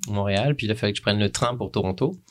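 French man telling stories, low voice. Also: very fast. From France. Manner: relaxed, rambling, laughs often, uses fillers. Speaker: guest. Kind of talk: casual conversational storytelling.

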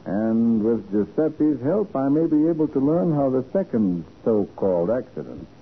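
An actor playing a confident, quick-thinking private detective in a 1940s radio crime drama. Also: male voice, medium pitch, sing-song. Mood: reasoning, assured. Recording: narrow 1940s radio recording, faint hiss.

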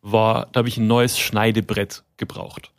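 A man with a lowish voice chats as a guest author. He stops and restarts often and mixes in self-deprecating jokes. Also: little pitch movement, a little slow. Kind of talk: casual interview chat.

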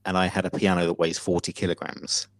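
A man co-hosting a podcast, telling a story theatrically with many pauses and fillers. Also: deep voice, completely flat delivery, dry recording. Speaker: podcast co-host. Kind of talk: casual chat.

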